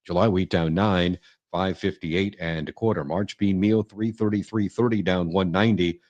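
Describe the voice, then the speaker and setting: A male market reporter with a fairly low voice, reading commodity and stock prices from a script. The delivery is clipped and list-like, figure after figure, in a dry studio sound. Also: fairly even intonation, moderate pace, a little mellow, no room sound, lo-fi sound. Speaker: farm radio market reporter.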